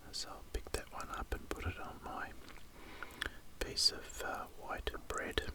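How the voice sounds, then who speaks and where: A man with an Australian accent whispers in a relaxed tone, leaving long, frequent pauses. Noticeable noise sits in the background. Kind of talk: ASMR eating and whispering video. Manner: whispered; relaxed, hesitant, conversational.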